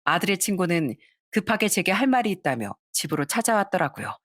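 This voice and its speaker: A woman narrating a first-person family story in a measured scripted read. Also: lowish voice, expressive, a bit bright, no room sound, studio quality.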